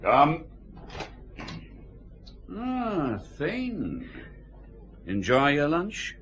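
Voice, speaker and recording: An actor playing a weary, sardonic senior police chief in a radio drama, grumbling with dry authority. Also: male voice, on the high side, huge pitch swings, very slow, fairly bright tone, a little hiss or hum, exaggerated voice. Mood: stern. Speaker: head of CID, senior police officer.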